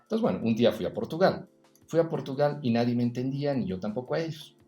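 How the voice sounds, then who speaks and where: A man speaking as a podcast guest in an unhurried, reflective way, filling pauses with "eh" and checking in with a tag question. His voice sits at an ordinary middle pitch. The recording has a noticeable roomy echo. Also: expressive, mellow, soft background music. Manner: reflective, storytelling, frequent "eh" and tag "¿no?". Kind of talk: casual conversational interview.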